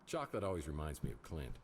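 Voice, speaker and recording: Very deep-voiced wisecracking private eye. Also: male voice, sing-song, brisk, slight background noise, exaggerated voice. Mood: wry. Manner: wry, sardonic. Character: wisecracking world-weary male private detective hero. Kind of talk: adventure game voice acting, noir monologue.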